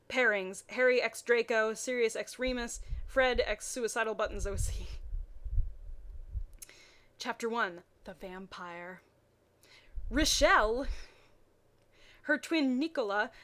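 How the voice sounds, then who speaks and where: A woman reading amateur fiction aloud in a mocking way, dropping in wry, deadpan asides. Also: fairly high pitch. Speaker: reader and commentator.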